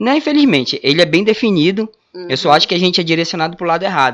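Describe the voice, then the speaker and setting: A man with a northern Brazilian accent, talking at a very fast pace. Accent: northern Brazilian Portuguese (Manaus). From Manaus, Amazonas, Brazil. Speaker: rapper and cultural organizer. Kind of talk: casual interview.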